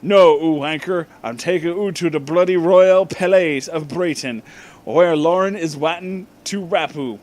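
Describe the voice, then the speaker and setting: A man's voice: a little high, unhurried, a little mellow, lightly acted. A man voicing a gloating, villainous flying robot who taunts in mangled British slang, for a comic story reading. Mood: gloating, taunting.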